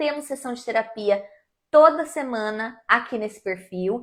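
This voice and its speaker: On a very clean recording with a silent background, a woman speaks in an animated tone. Her pace is fairly slow, and her pitch varies in an ordinary way. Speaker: psychologist and podcast host. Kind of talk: live stream talk. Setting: live video stream.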